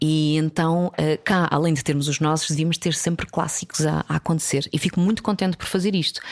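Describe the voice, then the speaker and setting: A woman speaks with a very deep, low pitch. Her pace is fairly quick, and the sound is dry and close with no echo. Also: fairly even intonation. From Portugal. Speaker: actress and voice-over artist. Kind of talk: casual interview. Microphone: good microphone.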